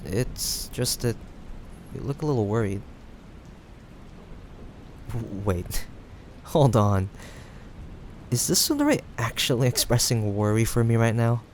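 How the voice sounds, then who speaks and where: A young man playing a playful, caring friend in a casual improvised audio roleplay, teasing yet reassuring, with hesitant pauses. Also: medium pitch, very animated, darkish tone. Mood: amused teasing. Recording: faint background noise, rain ambience. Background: rain sound effects.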